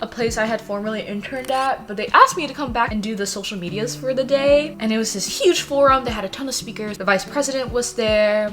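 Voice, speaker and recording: A woman in her twenties chatting casually in a vlog while doing her makeup, bubbly and self-mocking. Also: a little high. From United States. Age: 20s. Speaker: vlogger. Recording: music playing underneath. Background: clear background music.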